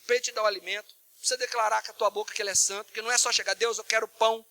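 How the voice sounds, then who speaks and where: Male Brazilian pastor, very high and bright, animated sermon delivery. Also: racing, dry recording. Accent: Brazilian Portuguese. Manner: animated preaching, acting out prayers in changing tones. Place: church. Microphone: microphone.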